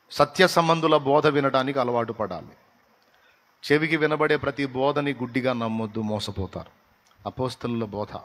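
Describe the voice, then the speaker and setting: A male pastor preaches a sermon and moves between soft asides and loud, emphatic lists. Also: a little high, big-room sound. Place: church prayer hall.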